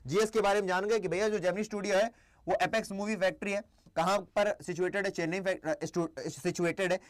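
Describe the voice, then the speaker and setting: A young man teaching an English exam lesson on a live stream. He talks in a chatty way, quizzes himself aloud, mixes Hindi and English, and slows down to dictate key points. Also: sits high, steady tone.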